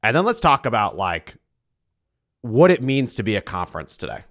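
A man's voice: medium pitch, very animated, moderate pace, fairly bright tone. A man hosting an interview in an informal, conversational way. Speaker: interviewer, host. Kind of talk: casual chat.

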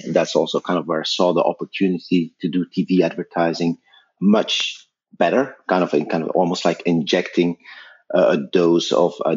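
A man's voice: sits low, husky, highs cut off. A middle-aged man from Belgium with a Belgian accent, a guest on a podcast, explaining things thoughtfully with fillers and restarts. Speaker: guest, company founder. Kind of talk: podcast interview.

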